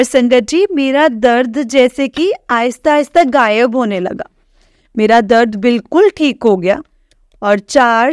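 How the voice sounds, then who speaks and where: A woman sharing a devotional testimony with a congregation, earnest and halting, with many fillers and restarts. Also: high-pitched, dry recording, studio quality. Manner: earnest, keeps addressing listeners as "sangat ji".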